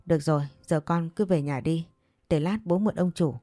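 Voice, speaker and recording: A woman reading as a gentle caring father. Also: medium pitch, fairly quick, dry recording, lightly acted.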